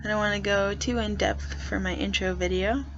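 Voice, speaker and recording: A young trans guy vlogging casually and hesitantly, deliberately pushing his voice lower as he talks. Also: steady tone, creaky, highs cut off, slight background noise. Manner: hesitant, soft-spoken, consciously pitching voice lower. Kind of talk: casual first vlog.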